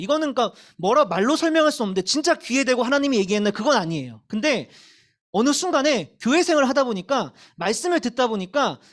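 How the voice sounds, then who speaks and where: Young woman youth preacher, candid storytelling, high and very animated delivery. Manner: candid, animated storytelling with self-deprecating laughs. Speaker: youth pastor. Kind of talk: sermon to middle schoolers. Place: church service.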